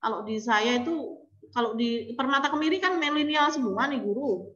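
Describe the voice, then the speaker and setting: A woman with a fairly high voice gives an informal lecture to teachers on a video call. She talks in a chatty way, keeps turning to her audience and acts out the voices of students. The sound is roomy and echoey, with a dull, lo-fi tone. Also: lively intonation, normal speed, pushed and bright. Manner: chatty, addresses listeners often, acts out quoted students. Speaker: speaker at an online teacher training session.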